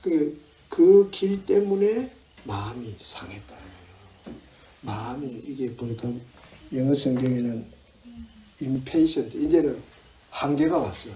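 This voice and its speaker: A male pastor giving an animated sermon at a church retreat, full of rhetorical questions. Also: mid-range voice, takes it slowly, long pauses. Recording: echoey hall with faint noise.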